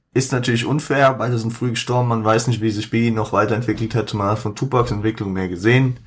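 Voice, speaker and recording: A man hosting a podcast, talking in casual commentary with many fillers and self-corrections and English slang mixed in. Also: on the low side. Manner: mixes English slang into speech. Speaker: podcast host.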